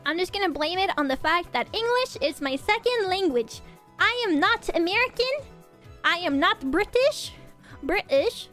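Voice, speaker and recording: Young woman streamer, high voice, casual rambling chat, soft music underneath. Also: lively intonation, normal speed. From Norway. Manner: rambling, restarts and repeats words.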